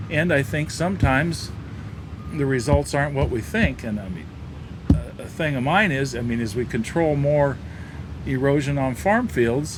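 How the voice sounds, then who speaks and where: A man of medium pitch with lively intonation and long, frequent pauses, amid audible room echo and noticeable background noise. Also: moderate pace. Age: 60s. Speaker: drainage contractor. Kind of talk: podcast interview. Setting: recorded on site outdoors at a farm event. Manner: halting, with frequent restarts.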